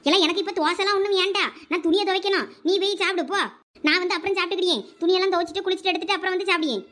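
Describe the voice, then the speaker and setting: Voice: extremely high pitch, fairly even intonation, very fast, pushed and bright. A voice actor playing a stubborn, fussy older mother-in-law in a cartoon, with a Thoothukudi Tamil accent. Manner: stubborn, complaining. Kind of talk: cartoon voice acting.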